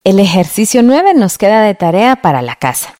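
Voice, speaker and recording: A woman teaching a radio lesson in a clear, patient way, checking in with the listener. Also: medium pitch, sing-song, normal speed, dark tone, dry recording, studio quality. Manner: clear, patient, asks ¿verdad?.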